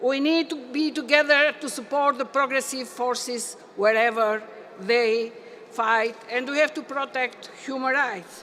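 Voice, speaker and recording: Over noticeable background noise, a woman with an Albanian accent uses a raised, projected voice with high pitch, ordinary pitch variation and a fairly slow pace. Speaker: politician. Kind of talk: conference speech.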